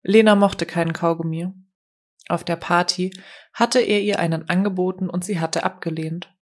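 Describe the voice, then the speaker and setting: A woman narrating a novel as an audiobook, reading in a steady, measured way. Her voice sits a little lower than most women's. The delivery is smooth and even. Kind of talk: scripted narration.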